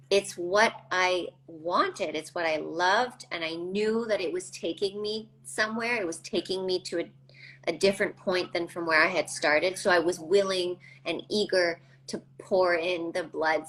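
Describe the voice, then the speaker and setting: A woman from Canada in her forties, a guest reflecting thoughtfully in a casual interview, with halting restarts. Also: on the low side, fairly bright tone, low-quality recording.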